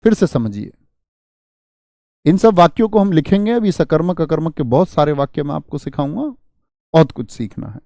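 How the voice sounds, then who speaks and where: A man's voice: a little high, animated, moderate pace, long pauses, warm tone, no room sound, clean studio sound. A man teaching a grammar lesson, asking his students questions and answering them himself. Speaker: Hindi teacher.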